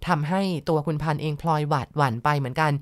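A woman with a low voice narrates a ghost story in a polite, chatty manner, adding soft asides to her listeners. The recording is dry and close, with no echo. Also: fairly even intonation, rapid-fire. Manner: polite, conversational, adds soft particles and asides. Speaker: storyteller and channel host.

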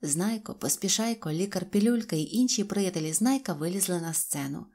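Woman, audiobook reader, fairy-tale narration, gentle expressive storytelling. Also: on the low side, brisk.

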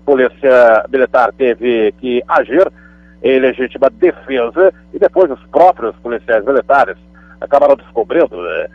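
A man's voice: medium pitch, expressive, normal speed, no echo. Male radio crime reporter on a phone line. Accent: Brazilian Portuguese. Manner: conversational, emphatic asides. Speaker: police news reporter. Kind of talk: radio police bulletin.

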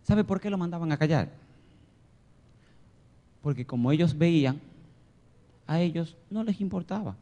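A man preaching an impassioned sermon in church, swinging between loud exclamations and low murmurs. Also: expressive, a little slow, pauses often, lo-fi sound. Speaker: pastor.

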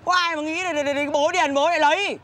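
A woman's voice: high voice, steady tone, fast talker, fairly bright tone, a little hiss or hum. An actress playing a blunt market woman who scolds and comforts her crying friend. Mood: scolding. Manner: bossy, scolding. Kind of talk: TV drama acting.

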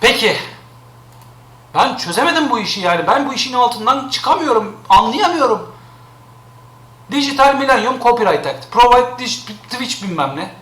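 A man's voice: very high voice, lively intonation, normal speed, sharp tone, roomy sound. A man streaming live, complaining in an exasperated way and repeating himself.

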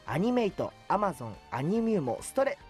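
Man voicing a lifted, animated young male announcer. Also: sits high, normal speed, faint music behind, voice pushed up. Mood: upbeat announcing. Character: young male stage-troupe character reading announcements. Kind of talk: scripted promotional announcement in character voice.

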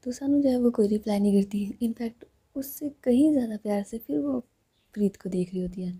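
A woman narrating a love story in a soft, often whispered delivery. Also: fairly high pitch, brisk, husky.

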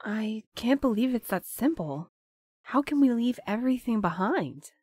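A woman playing a gentle, hesitant, romantic young courier in an audio drama, thoughtful and a little awkward. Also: a little high, animated, normal speed, breathy edge, dry recording. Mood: stunned, hesitant.

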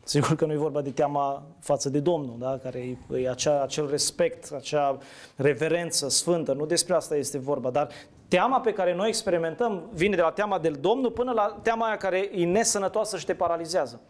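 A man preaching a sermon in a conversational way, asking his listeners questions and answering them himself. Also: on the high side. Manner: asks the audience questions, conversational. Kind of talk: interactive sermon.

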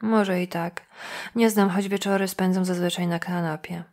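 A woman's voice: on the low side, fairly even intonation, normal speed, a little mellow, close to an everyday voice. A woman reading an audiobook voices a brash, street-smart woman who talks in a coarse, mocking way. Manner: coarse, sneering, blunt. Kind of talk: audiobook dialogue.

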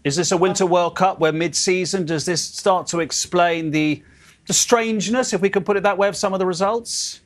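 A man's voice: high voice, moderate pace. A middle-aged man hosting a football panel and steering the discussion in a TV studio. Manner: lively, steering the talk. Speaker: studio host. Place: TV studio above a stadium.

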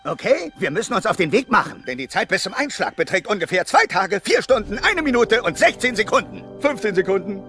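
An actor playing a wild, boastful one-eyed weasel adventurer in an audio drama, talking theatrically and excitably. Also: male voice, sits high, a little fast, hardly any pauses, husky, faint music behind, heavily acted. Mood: brisk.

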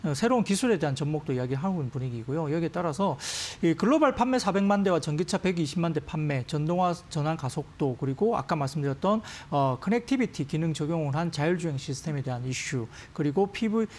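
A man in his thirties, a stock market analyst giving rapid commentary in a TV studio, with many fillers. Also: fairly high pitch, lively intonation, a little mellow. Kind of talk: market commentary on TV finance show. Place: TV news studio.

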